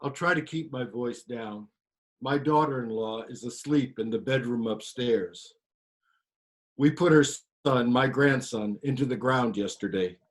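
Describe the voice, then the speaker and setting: Male actor as an older farm grandfather in mourning, plainspoken, keeps his voice low, mid pitch. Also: a little slow, close to an everyday voice. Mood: grieving. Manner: quiet, subdued storytelling. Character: grieving old farmer grandfather, plainspoken. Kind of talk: one-man stage play monologue.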